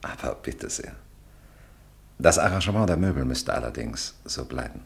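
An actor playing a courteous, deferential French gentleman landlord in a radio drama, speaking formally and obligingly. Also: a bass voice, lively intonation, normal speed, vocal fry, heavily acted. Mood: courteous, soothing. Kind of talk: mid-century German radio drama acting.

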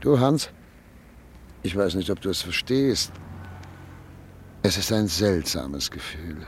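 A man's voice: low voice, lively intonation, slow. An actor playing a thoughtful, anxious doctor and father of thirty-nine in a radio drama, speaking earnestly and articulately. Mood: wistful, musing. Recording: noisy old radio play recording.

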